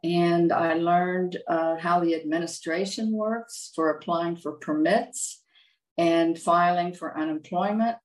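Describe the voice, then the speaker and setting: A woman's voice: fairly low pitch, takes it slowly, roomy sound. An older woman from Virginia with an American accent, a native English speaker answering interview questions carefully. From United States, Virginia. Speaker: guest.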